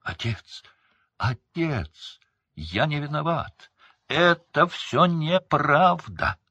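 A man's voice: sits low, sing-song, slow pace, sharp tone, slightly rough, no room sound, lo-fi sound, exaggerated voice. A man voicing a desperate young male prisoner who cries out and begs to be spared. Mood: begging. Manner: pleading, crying out, near shrieking.

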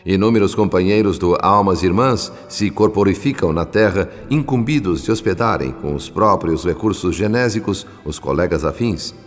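A reverent spirit narrator in a Brazilian radio drama. His voice is very low and speaks in formal, measured phrases, with long reverb and music behind it. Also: expressive. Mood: solemn, reverent. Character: earnest, reverent male spirit recounting his journey. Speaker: narrator character.

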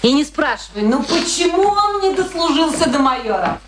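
An actress in a radio play playing a long-married older wife and hostess with a dry, teasing manner. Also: female voice, high-pitched, big pitch swings, moderate pace, noisy background. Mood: wry teasing.

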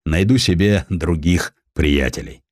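A man's voice: low voice, measured pace, a little mellow, no room sound, clean studio sound, voice pushed down. A man voicing a bold, blunt Cossack chieftain in an audiobook, with a brusque, offhand way of talking. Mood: defiant. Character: bold, blunt Cossack ataman, freewheeling adventurer.

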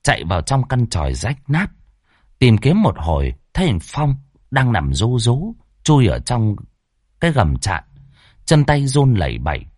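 A man's voice: medium pitch, huge pitch swings, measured pace, a little mellow, husky, no room sound, clean studio sound. A man telling a horror story in a vivid, dramatic narrating voice.

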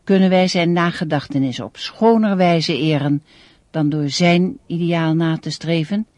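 An actress playing a dignified woman in her seventies who gives a solemn, measured ceremonial speech in a radio play. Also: fairly low pitch, darkish tone, no echo, lightly acted. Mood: solemn, impassioned. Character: elderly deafblind woman giving an impassioned, dignified speech.

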